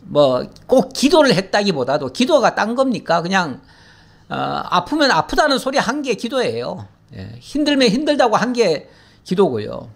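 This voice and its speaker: A man's voice: sits high, huge pitch swings, normal speed. A middle-aged male pastor giving a folksy, conversational Bible teaching sermon, acting out prayers in a pleading voice. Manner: folksy, acts out prayers in a pleading voice, laughs often.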